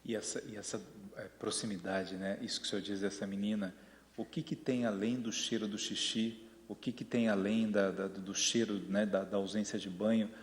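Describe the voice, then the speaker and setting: A man's voice: lowish voice, reverberant, big-room sound. A male talk show host who reflects aloud on what his guest said, with small hesitations.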